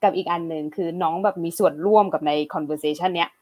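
A woman hosts an interview, asking her guest questions and repeating his points back. Her voice sits low for a woman. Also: brisk, darkish tone. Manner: asks questions, sums up with short acknowledgements. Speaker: host. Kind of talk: conversational interview.

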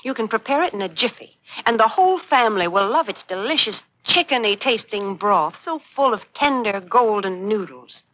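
A woman's voice: medium pitch, expressive, normal speed. An American woman delivering a chipper, polished 1940s radio advertisement as the sponsor's spokeswoman. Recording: dull old radio broadcast recording.

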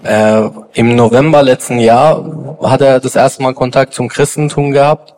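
A man's voice: mid-range voice, fairly even intonation, normal speed, a little mellow, low-quality recording. A young man from Iran interpreting an interview in church, hesitant with fillers and self-corrections. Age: young adult.

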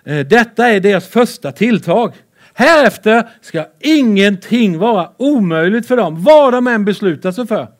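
A man preaching a lively sermon with Bible readings, excitable and playful, swinging between loud and soft. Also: high voice.

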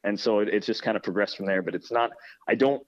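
Male sports broadcaster, low register, earnest and explanatory interview delivery, slightly dull recording. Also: quick pace. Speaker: hockey play-by-play broadcaster being interviewed. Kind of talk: conversational interview answers.

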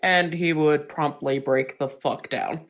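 A woman with a very low voice sounds stuffed up and congested from crying. She jokes crudely and casually with the other players. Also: fairly even intonation, unhurried, lo-fi sound. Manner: crude, joking. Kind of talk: casual tabletop role-play.

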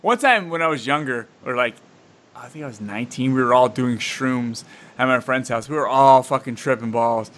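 A man's voice: medium pitch, normal speed. A young man hosting a podcast, telling loose, profane stories in casual chat and acting out what people said. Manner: animated, profane storytelling with acted-out quotes. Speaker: podcast host.

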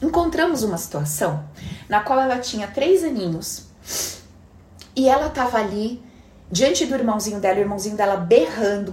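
A woman's voice: fairly high pitch, echoey room, a little hiss or hum. A woman coach with a stuffy nose and sore throat, giving a live-stream talk and acting out quoted voices. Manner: expressive, acts out quoted voices. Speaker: hypnotherapist and coach.

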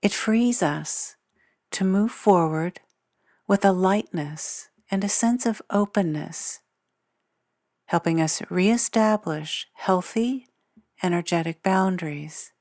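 A woman leading a guided meditation in a soothing, measured way, leaving long pauses between phrases. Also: on the low side, a little mellow, no room sound, studio quality. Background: meditation music with singing bowls.

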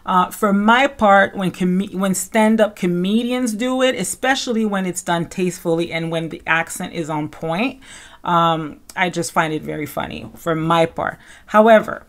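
A woman's voice: fairly low pitch, normal speed. A woman with a Caribbean French accent hosting a podcast, giving casual, conversational gossip commentary. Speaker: podcast host.

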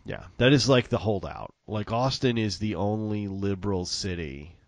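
Southern US man, co-host type, low pitch, close dry sound, folksy and blunt casual talk. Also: moderate pace, no echo. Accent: Southern American. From southern United States, Mississippi and Texas. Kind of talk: casual political chat.

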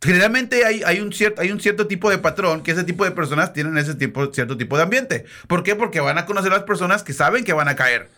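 A man's voice: sits high, fast, hardly any pauses, sharp tone. A man co-hosting a casual chat show, emphatic and insistent, repeating his points. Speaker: podcast co-host.

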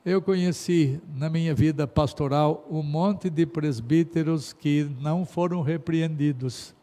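A middle-aged man with a Brazilian Portuguese accent preaching a sermon as a pastor, emphatic and exhorting, swinging between loud stresses and quiet asides. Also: fairly high pitch, measured pace. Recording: long hall reverb.

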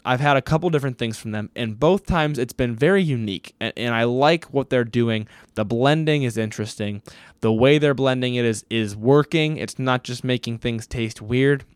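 A man's voice: mid-range voice, smooth, no room sound. A man hosting a solo question-and-answer podcast, talking casually and thinking aloud. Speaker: podcast host.

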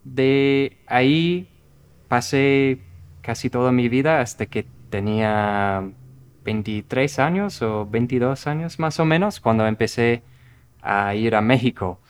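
A middle-aged man from Minnesota, United States, whose first language is English, speaks Spanish as a learner with an American English accent in a casual conversation as a guest. His mid-range voice is clean, and he is unhurried and thoughtful, sometimes restarting words.

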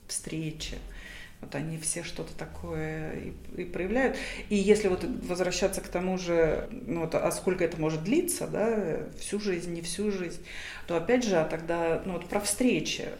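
A woman's voice: lowish voice, vocal fry, darkish tone, slight background noise. Thoughtful woman in an echoey room. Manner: thoughtful, hesitant, many fillers and restarts. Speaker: academic guest. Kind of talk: reflective interview answers. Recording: roomy echo.

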